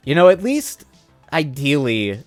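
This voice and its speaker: A man's voice: fairly high pitch, sing-song, measured pace, no room sound, soft background music. A man in his thirties hosting a livestream, chatting casually with viewers, rambling with frequent restarts and chuckles. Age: 30s. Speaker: livestream host. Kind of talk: casual chat answering viewers.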